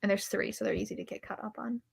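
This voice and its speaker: A woman's voice: medium pitch, fairly even intonation, fast talker, creaky, slightly rough. A woman hosting a live book chat, giving candid, opinionated reviews in a casual way. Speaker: book reviewer and livestream host. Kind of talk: casual chat about books on a live show.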